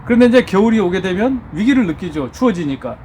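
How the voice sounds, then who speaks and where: A middle-aged man hosting his orchid channel, speaking casually to subscribers with a slightly hoarse throat, talking through a face mask, full of fillers and little self-joking laughs. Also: sits high, sing-song, fast talker, a little mellow, slight background noise. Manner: chatty, self-joking, many fillers and restarts. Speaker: orchid-growing channel host. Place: indoor studio. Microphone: wearing a face mask.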